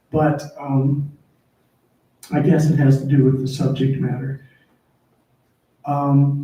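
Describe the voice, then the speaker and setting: Soft-spoken and somewhat breathy, a man talks very slowly in a dark, mellow tone with a fairly high pitch, monotone, flat intonation, and long, frequent pauses. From Wyoming. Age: 70s. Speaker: visual artist. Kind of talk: artist talk. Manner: halting.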